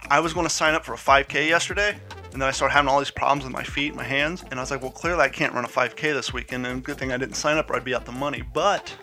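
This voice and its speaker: Stuffy-nosed guy with a head cold rambling on his podcast mic, bright sharp tone, a bit of music under it. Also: mid-range voice, fairly even intonation, quick pace. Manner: chatty, self-deprecating storytelling. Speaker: podcast host. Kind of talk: casual solo podcast monologue.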